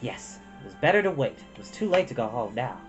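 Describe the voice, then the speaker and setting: A woman narrates a storybook in a low voice with lively, expressive intonation. Faint music plays behind her reading. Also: quick pace, highs cut off. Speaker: storytime reader.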